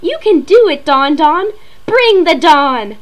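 Woman playing an excitable, high-voiced sweet girl. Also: takes it slowly, exaggerated voice. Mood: excited, cheering.

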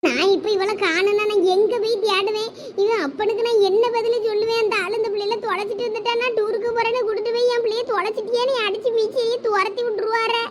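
A woman's voice: extremely high pitch, fairly even intonation, fast, a loud crowd. A woman playing a frantic village mother. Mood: distraught wailing. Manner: wailing, pleading laments to God. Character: distraught village mother, frantic, lamenting loudly. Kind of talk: village comedy-drama acting.

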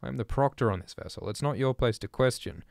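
A man's voice: medium pitch, a little fast, creaky, dry recording, clean studio sound, voice pushed up, lightly acted. A man voicing a skinny, suspicious male proctor who snaps and hisses indignantly in a story he is writing. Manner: hissing, indignant and snappish.

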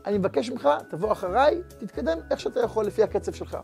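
Wise hurried father, a preacher doing the voice, male, firm, instructive, high voice, faint music. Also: animated, vocal fry, darkish tone. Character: hurried, wise father teaching his son.

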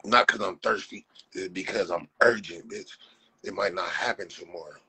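A man's voice: deep voice, moderate pace, pushed and bright, husky, rough recording. A man in his forties livestreaming from his phone indoors, talking bluntly and profanely and repeating his phrases. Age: 40s. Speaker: livestream host. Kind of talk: casual livestream talk. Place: indoor room. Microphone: phone held close.

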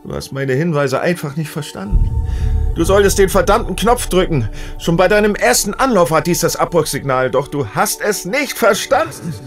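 A man's voice: sits high, expressive, normal speed, soft background music. A man acting a stubborn, regretful old father in a German audio drama, speaking in a weary, grave, emphatic way. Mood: urgent, frustrated. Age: older.

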